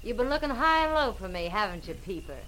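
Sneering American tough dame, noisy vintage recording. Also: female voice, medium pitch, very animated, quick pace, a bit bright. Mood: mocking. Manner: sneering, clipped tough-talking orders. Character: hard-eyed gun-toting brunette, mocking and bossy crook. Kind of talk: 1940s-50s hard-boiled radio drama acting.

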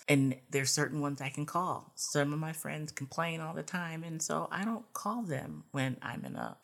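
A woman in her forties hosting a podcast as a coach, talking in a casual, earnest, gently encouraging way and often adding "you know" and "right?". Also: a bass voice, breathy edge. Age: 40s. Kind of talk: casual reflective monologue.

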